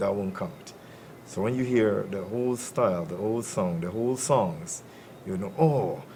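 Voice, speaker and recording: In a Guyanese accent, a man speaks with a fairly low pitch and lively intonation, with audible room echo. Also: moderate pace. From Guyana. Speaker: a cappella group singer. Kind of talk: TV interview.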